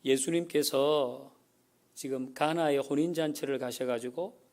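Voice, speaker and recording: A man's voice: mid-range voice, steady tone, unhurried, a little mellow. A middle-aged male pastor giving a folksy sermon, asking the congregation questions as he teaches. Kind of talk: sermon teaching on Bible reading.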